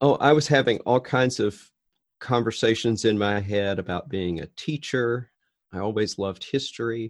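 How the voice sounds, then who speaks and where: In a quiet background, a man with a Southern US accent talks at a moderate pace, his medium-pitched voice showing ordinary pitch variation. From Richmond, Virginia. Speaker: Episcopal priest. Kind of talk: interview conversation.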